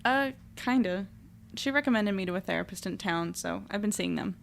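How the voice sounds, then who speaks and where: A woman's voice: medium pitch, animated, a little fast, gravelly. An actress playing a guarded young woman in a naturalistic audio drama, hesitant and understated. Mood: hesitant, casual. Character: guarded young woman, new in town, independent.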